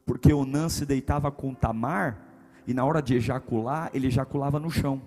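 A Brazilian Portuguese-accented pastor preaches a humorous sermon, alternating loud, punchy lines with hushed ones. His mid-range voice moves briskly.

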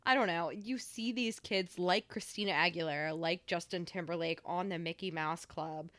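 A young woman with a slightly low voice chats casually as a podcast co-host. She talks loosely and leans on fillers as she goes. The sound is close and dry, with no room in it. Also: moderate pace, a bit bright, dry recording. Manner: chatty, many fillers like "like" and "you know". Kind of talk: casual chat.

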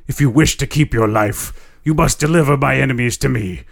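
A man doing a rasping, menacing dark spirit. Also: medium pitch. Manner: slow, grave, menacing delivery. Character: ancient sinister male spirit, rasping and commanding.

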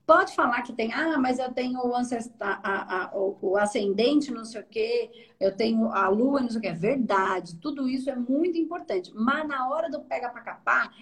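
A woman with a Brazilian accent, speaking in a fairly high voice as an energy therapist mentoring a student. She explains in an animated, conversational way and often asks whether her point has landed. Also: normal speed, hardly any pauses. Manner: animated and explanatory, often checking understanding with tag questions.

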